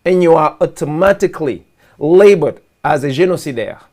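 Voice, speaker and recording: A man's voice: on the high side, lively intonation, brisk, a little mellow. Earnest man from Rwanda explaining. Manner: earnest, explanatory, with frequent restarts. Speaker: host. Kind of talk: political commentary monologue. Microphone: live video call.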